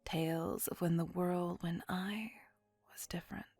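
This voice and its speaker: A woman voicing a possessive, doting, centuries-old female vampire in an ASMR roleplay, whispering softly with formal, old-fashioned phrasing. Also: on the low side, steady tone, unhurried, breathy edge, dry recording, faint music behind. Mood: wistful. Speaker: voice actor.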